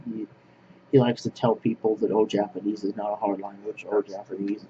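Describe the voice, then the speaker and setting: A man from northwest Pennsylvania, talking to camera in a halting, rambling monologue that keeps restarting its phrases. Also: fairly low pitch, little pitch movement, mellow. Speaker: language vlogger. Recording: dull lo-fi sound with clear background noise.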